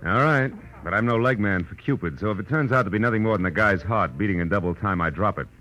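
An actor playing a wry, hard-boiled private detective with an American accent in 1940s radio drama, speaking in a clipped, sardonic, world-weary way. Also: male voice, lowish voice, quick pace, pushed and bright. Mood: tough, businesslike. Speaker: lead actor and narrator of a radio detective series. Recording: muffled vintage 1940s radio recording.

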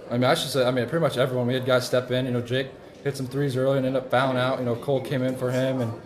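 A man's voice: medium pitch, little pitch movement, very fast. A young man, a basketball player, answering casually and plainly in a post-game interview. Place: gymnasium after a game. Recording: crowded gym behind the voice.

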